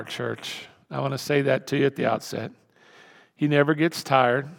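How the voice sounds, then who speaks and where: A male pastor preaching a sermon to his church, animated and repetitive, swinging from loud emphasis to hushed tones. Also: mid-range voice, vocal fry. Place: church sanctuary. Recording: reverberant church hall.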